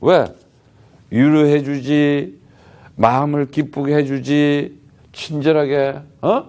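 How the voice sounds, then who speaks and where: A man's voice: fairly high pitch, darkish tone. A man preaching a sermon as a missionary, talking plainly to the congregation and often asking rhetorical questions. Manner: emphatic, rhetorical questions, frequent "huh?" tags; conversational, plain speech to the congregation.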